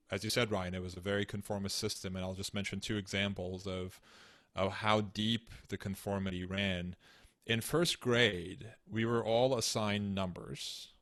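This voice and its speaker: A man in his thirties from Turkey, explaining ideas in measured, earnest interview answers over a video call. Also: deep voice, a bit bright. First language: Turkish. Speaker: guest author. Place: home room, indoors. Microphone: studio mic on stand, video call.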